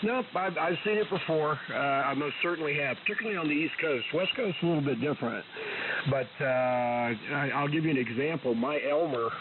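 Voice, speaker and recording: A man's voice: fairly high pitch, fairly quick. Easygoing man on distant, tinny ham radio. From United States. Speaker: amateur radio operator. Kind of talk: casual on-air radio chat. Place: amateur radio transmission on 40 meters. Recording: distant tinny shortwave radio, noisy static.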